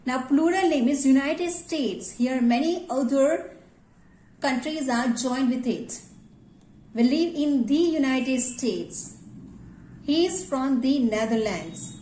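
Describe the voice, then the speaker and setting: A woman's voice: high-pitched, expressive, takes it slowly, dark tone, reverberant, low-quality recording. A woman teaching grammar to schoolchildren, often checking in with "yes" and calling on the students. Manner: addresses students directly, repeats "yes" as a check. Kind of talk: classroom grammar lesson.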